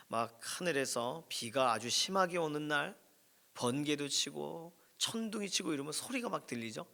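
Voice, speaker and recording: Bright-voiced Korean pastor preaching. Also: male voice, mid-range voice, creaky. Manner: expressive preaching, voice swelling and dropping to near whisper. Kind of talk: sermon. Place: church prayer room.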